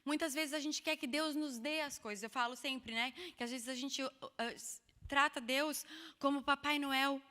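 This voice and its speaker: Woman preacher, high and bright, lively sermon with jokes, long hall reverb. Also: moderate pace. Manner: expressive and animated, with humorous asides to the audience. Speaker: preacher at a women's church meeting. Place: church hall.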